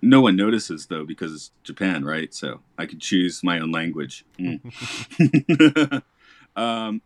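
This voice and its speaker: A man with a fairly low voice hosts a relaxed podcast chat, and he laughs easily. His talk wanders and restarts as he thinks aloud. The sound is dry and close, with no room in it. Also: slow pace, no room sound. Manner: chatty, laughs often, rambling restarts. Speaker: podcast host, English teacher. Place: lives in Japan.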